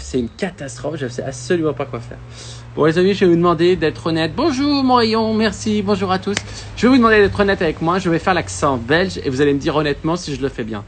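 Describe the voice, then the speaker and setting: A man from France hosting a live comedy talk show, animated, playful and self-mocking. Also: a little high, a little hiss or hum. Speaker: host.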